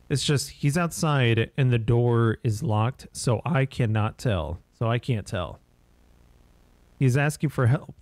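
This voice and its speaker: A man's voice: medium pitch, a little mellow, dry recording, lightly acted. A man reading game dialogue aloud as an uneasy, tipsy gas station worker phoning the police, hesitant and rambling.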